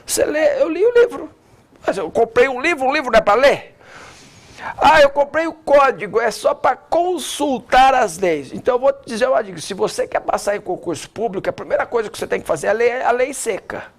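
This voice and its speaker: Animated man teaching public speaking. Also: very high-pitched. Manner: animated, varies pace and loudness to demonstrate; addresses the viewer directly with quick rhetorical objections. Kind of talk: online lesson on public speaking.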